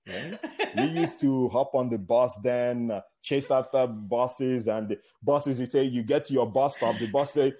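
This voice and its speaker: A man's voice: mid-range voice, measured pace, few pauses, warm tone, breathy edge. A middle-aged Nigerian man with a Nigerian accent, chatting as a guest in an interview, rambling with many fillers and restarts. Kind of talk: casual interview chat.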